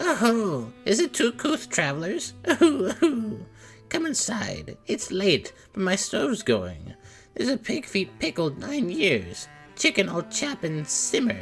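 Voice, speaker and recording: Over clear music in the background, a man puts on a creaky character voice at a high pitch, talking at a fairly slow pace with very wide pitch swings. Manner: warm, welcoming.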